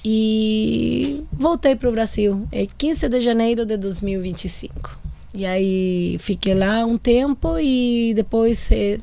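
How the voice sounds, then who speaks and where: A woman's voice: a little high, slow pace, gravelly, dark tone. Chilean woman football coach telling her story. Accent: Chilean Spanish. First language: Spanish. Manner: chatty storytelling, restarts and fillers. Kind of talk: casual podcast interview.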